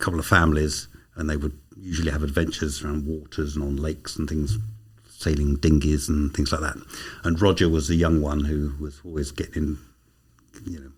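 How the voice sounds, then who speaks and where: In an English accent, a man speaks at a fairly quick pace with a very deep, low pitch, a somewhat breathy quality, monotone, flat intonation and long, frequent pauses. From England. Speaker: podcast guest, former teacher. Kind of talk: casual interview chat. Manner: halting, repeats words often.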